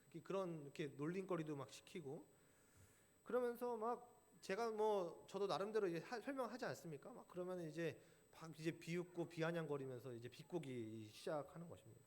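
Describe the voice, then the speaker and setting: A man's voice: fairly high pitch, expressive, a little fast. A young adult man pastor preaching a sermon, telling a story from his own life and acting out the voices of other people in it. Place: church sanctuary. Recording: church hall reverb.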